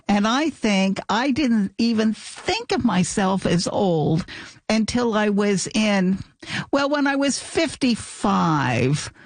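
A woman's voice: medium pitch, dry recording. An older woman, a guest author on a radio talk show, talking frankly and teasingly with callers.

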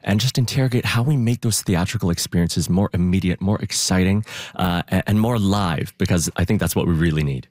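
A man speaking as a guest in a radio interview, earnest and energetic, often laughing as he talks about his plans as a theatre's artistic director. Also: low voice, a little fast, no echo, clean studio sound.

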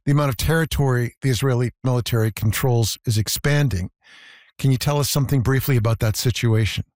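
A man interviewing as a news host, asking his questions in a measured, neutral way. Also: mid-range voice, darkish tone, dry recording, studio quality.

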